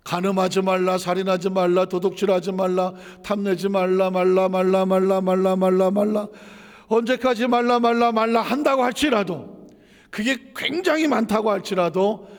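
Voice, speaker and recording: A man's voice: high-pitched, in a large hall. A male pastor preaching a sermon in a conversational way, asking rhetorical questions, telling a personal story and repeating phrases for emphasis.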